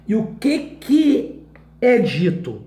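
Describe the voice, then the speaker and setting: A man's voice: high voice, wildly swooping pitch, slow pace, mellow, reverberant, a little hiss or hum. A man teaching an exam-prep class in Brazilian Portuguese in a casual way, often checking in with his students.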